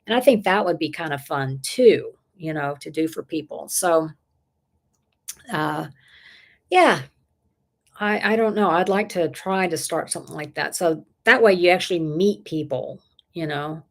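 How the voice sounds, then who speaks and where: Chatty woman in her sixties, low voice. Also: unhurried. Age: 60s. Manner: chatty, rambling, laughs often. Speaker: livestream host. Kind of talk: casual live chat reading comments.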